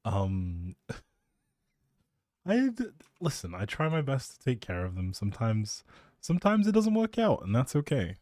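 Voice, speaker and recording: A man's voice: medium pitch, huge pitch swings, measured pace, a little mellow, no room sound. A man chatting casually as a live streamer, rambling in a playful, self-deprecating way into a close microphone.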